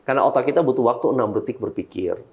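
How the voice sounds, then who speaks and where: A man's voice: medium pitch, rapid-fire, muffled recording. A man, a public speaking coach explaining his method point by point in an interview, often repeating phrases to demonstrate emphasis.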